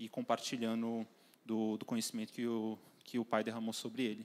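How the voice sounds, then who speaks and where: The recording is very clean with a silent background, and a man talks at a medium pitch. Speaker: lay preacher. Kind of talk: sermon. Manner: halting, many fillers.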